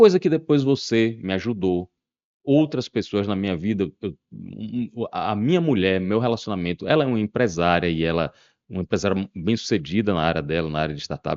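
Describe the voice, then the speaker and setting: A man speaks in an unremarkable speaking voice, pitched fairly low. His pace is moderate. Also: lively intonation. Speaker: journalist and TV news presenter. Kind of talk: casual podcast conversation.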